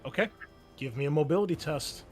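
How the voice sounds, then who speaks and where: A man's voice: on the high side, brisk, a little mellow. Casting: male game master, conversational and encouraging, improvising tabletop narration over light background music. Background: music under the voice.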